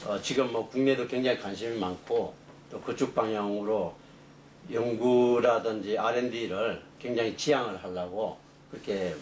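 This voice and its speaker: A man's voice: on the low side, normal speed, darkish tone, echoey room, a little hiss or hum. A middle-aged man, an engineering professor, answering interview questions in long explanations full of fillers and restarts.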